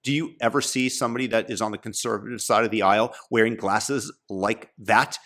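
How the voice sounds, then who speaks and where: A man's voice: fairly low pitch, steady tone, a little fast, fairly bright tone. A man adding mocking reaction commentary over a broadcast, sarcastic and derisive.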